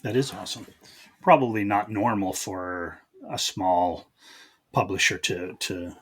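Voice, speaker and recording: A man's voice: sits low, measured pace, a bit bright, husky. A man hosting a podcast, talking casually with his guest. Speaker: podcast host. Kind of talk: casual interview chat.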